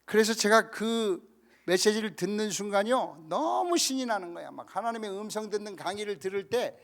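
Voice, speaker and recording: High-voiced man telling a story sermon. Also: moderate pace. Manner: animated storytelling, acting out quoted voices with laughter. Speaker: pastor. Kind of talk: storytelling sermon at a church camp.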